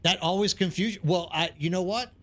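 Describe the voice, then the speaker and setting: Chatting with livestream viewers as he games, a man from East Texas, United States, rambles casually in an American accent. His high voice has a fairly bright tone and a moderate pace.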